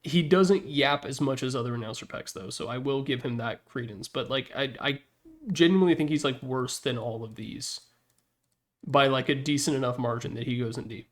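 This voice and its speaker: A man's voice: medium pitch, normal speed. A young man giving casual, opinionated commentary on video games in an informal, slangy, joking way.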